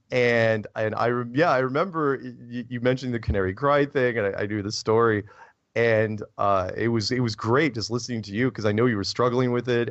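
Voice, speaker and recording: A man's voice: lowish voice, no echo. A man guest in a casual conversation, telling rambling anecdotes and acting out what people said. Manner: rambling anecdotes with animated quoted voices. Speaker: podcast guest. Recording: dull dry recording.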